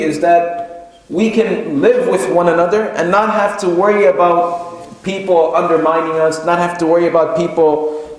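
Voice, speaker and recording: A man giving a sermon as a Muslim preacher, teaching in a didactic way with repeated phrases and rhetorical questions for emphasis. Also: sits high. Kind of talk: sermon, lecture to a congregation. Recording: very echoey hall with long reverb.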